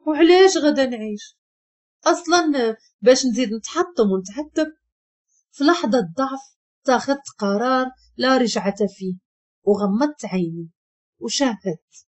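Husky Moroccan woman telling a dramatic story. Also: high voice, lively intonation, moderate pace, long pauses, darkish tone. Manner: emotional, dramatic. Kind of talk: first-person dramatic story narration.

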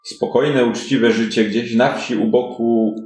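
A man's voice: mid-range voice, steady tone, a little slow, darkish tone, soft background music, lightly acted. Man playing a haughty streetwise madam, echoey room. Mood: cynical, matter-of-fact. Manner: condescending, teasing endearments. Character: haughty red-haired woman, streetwise port madam.

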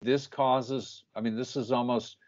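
A man's voice: medium pitch, fairly even intonation, a little slow, a little mellow. A man hosting a Christian interview, firm and emphatic in casual talk. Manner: firm, emphatic, keeps saying "you know what". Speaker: host, Christian channel. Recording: muffled lo-fi call audio.

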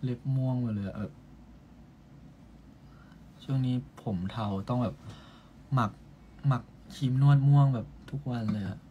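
A man's voice: mid-range voice, a little slow, pauses often, lo-fi sound, slight background noise. Young man chatting on a live stream. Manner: playful, teasing banter with viewers. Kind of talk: casual live-stream chat reading comments.

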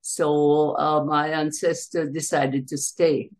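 An older woman from Jamaica recounting her family history in an interview, hesitantly, with long pauses, on a video call from a room at home. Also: low voice, little pitch movement. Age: older, around 70s. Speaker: interview guest, author. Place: small bright room at home, indoors. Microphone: computer mic on a video call.

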